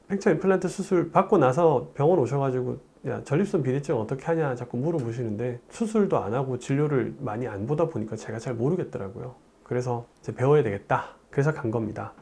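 In a plain studio with a lapel mic, a man in his forties who works as a urologist talks to camera in an explanatory, story-driven way. He's animated, his hands gesturing, and his medium-pitched voice has a creaky quality.

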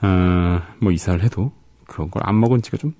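A deep-voiced man co-hosts a radio show, chatting casually and reading listener comments softly and haltingly, with gaps between words. There's no room sound.

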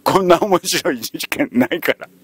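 A man telling a history lesson as a lively story, acting out the quotes along the way. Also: a little high, moderate pace, breathy edge, no room sound. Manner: animated, acts out quotes. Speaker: history lecturer.

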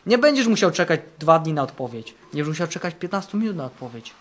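A male camp preacher in full sermon mode, his fairly high voice rising for bold declarations and dropping for quiet, earnest passages. He drives points home by repeating key phrases. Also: sing-song, fast talker. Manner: fervent, repeats phrases for emphasis, swings between loud and hushed. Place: camp meeting.

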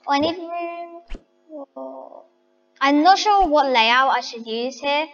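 High-voiced chatty woman playing a game. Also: takes it slowly, a bit bright, big-room sound, dull audio, soft background music. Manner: chatty, thinking aloud, talks to viewers as guys. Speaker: vlogger. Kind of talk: casual game commentary.

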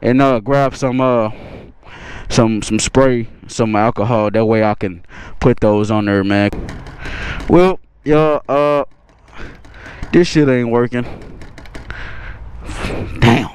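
A man's voice: medium pitch, slow pace, pauses often, a little mellow, rough recording. A man talking casually to his viewers in a slangy, laid-back way, recorded while riding a motorcycle. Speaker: motovlogger. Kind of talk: casual motovlog talk to viewers. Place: riding a motorcycle outdoors on city streets. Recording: faint road and traffic noise.

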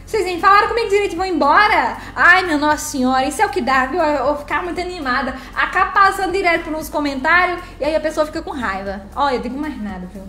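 Bright high-voiced woman live streamer. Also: animated, fast, few pauses. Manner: chatty, playful, teasing viewers. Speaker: live streamer reading chat. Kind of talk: casual live-stream chat. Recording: echoey room, faint music behind.

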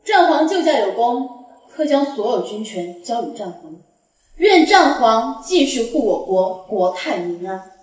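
Regal empress, very echoey. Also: female voice, on the high side, sing-song, unhurried, darkish tone. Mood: stately, commanding. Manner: formal, stately proclamation. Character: regal, authoritative reigning empress. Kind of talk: screen drama acting. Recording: very echoey room, distant, faint noise.

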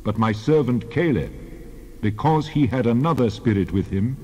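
A man's voice: medium pitch, animated, moderate pace, a little mellow, husky. A man playing a stern, majestic God in a solemn, declamatory dramatized scripture reading. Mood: stern judgement. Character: God, stern majestic male divine judge. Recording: long reverb, slightly dull sound.

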